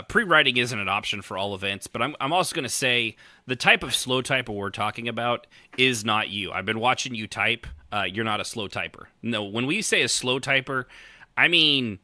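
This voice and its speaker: A man co-hosting a podcast in casual chat, halting and circling back over his words. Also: mid-range voice, pushed and bright, no room sound. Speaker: podcast co-host.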